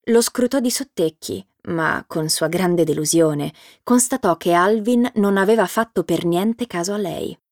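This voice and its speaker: A woman narrating a children's storybook in a steady, clear reading voice. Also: fairly low pitch, measured pace, hardly any pauses, dry recording, clean studio sound.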